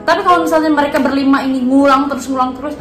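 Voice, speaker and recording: Female vlog host in her 20s, high pitch, roomy echo, walks viewers through it. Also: steady tone, very fast, fairly bright tone. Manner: explains step by step, speaks to viewers. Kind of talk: casual chat. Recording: echoey room with music behind.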